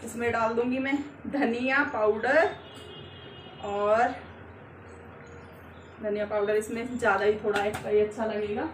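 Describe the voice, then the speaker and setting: A woman's voice: a little high, fairly even intonation, a little slow, long pauses, echoey room, a little hiss or hum. A woman chatting casually to her viewers while she cooks at home, talking through each step with many fillers. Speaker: vlogger. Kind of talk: casual cooking vlog narration. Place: home kitchen and rooftop.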